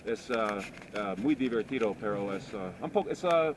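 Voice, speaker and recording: Man in halting learner's Spanish. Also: on the low side, lively intonation. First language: English. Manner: halting learner's Spanish, many fillers and restarts. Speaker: musician and songwriter. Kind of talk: casual chat in a taxi. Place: inside a moving taxi. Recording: noisy car ride recording. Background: street and engine noise.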